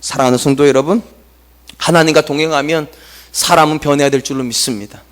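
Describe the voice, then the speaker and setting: A middle-aged man preaching a Sunday sermon as pastor, lively and humorous, acting out quotes from the people he speaks about. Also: a little high, a little fast. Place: church sanctuary.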